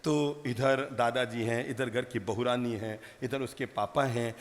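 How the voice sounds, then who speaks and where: Animated monk preaching in a reverberant hall. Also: male voice, medium pitch, unhurried. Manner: animated, rhetorical questions, acts out family scenes. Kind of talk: sermon to a live audience.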